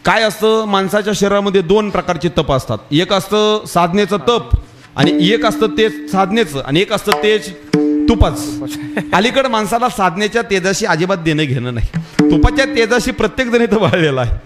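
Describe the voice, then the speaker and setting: High-voiced man preaching a kirtan. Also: normal speed, over loud music. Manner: addresses the audience directly with repeated calls to listen; tells parables in a lively, conversational way. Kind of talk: devotional kirtan sermon with storytelling. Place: live religious gathering.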